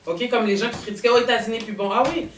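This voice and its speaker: A woman hosting a casual panel chat, talking in animated, rambling bursts. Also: on the high side, rapid-fire, a little hiss or hum. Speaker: talk show host. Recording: roomy studio sound, mic at a distance.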